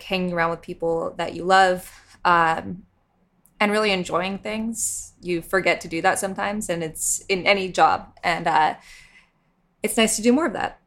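A woman's voice: on the low side, fairly bright tone. A woman appearing as a guest on a podcast, speaking in an easygoing, reflective way. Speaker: guest, media researcher. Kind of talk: casual interview chat.

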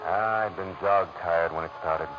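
An actor playing a weary, hard-boiled private detective in old radio drama, terse, wry and world-weary. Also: male voice, sits low, moderate pace, natural voice. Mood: reflective. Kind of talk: 1940s radio drama acting and first-person narration. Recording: muffled old radio broadcast, music underneath.

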